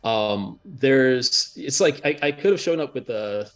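A Jamaican American man, an author, talking haltingly with many fillers and laughs, and reading from his book. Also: medium pitch, lively intonation. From United States, of Jamaican family.

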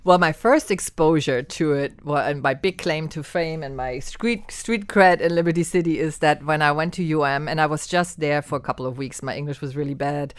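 A German woman in her fifties talks about her work in a relaxed interview. Her voice sits low, and the sound is close and dry. She is animated, laughs easily and repeats words while she hunts for them. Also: moderate pace, hardly any pauses, dry recording. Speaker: documentary filmmaker, guest. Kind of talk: casual interview conversation.

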